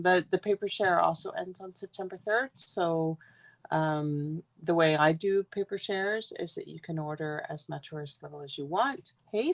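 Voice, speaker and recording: A woman's voice: fairly low pitch, no room sound. A woman from Ontario, stuffed up with congestion, chatting her way through a live card-making demo from her craft room. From Guelph, Ontario, Canada. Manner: chatty, rambling. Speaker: stamping demonstrator.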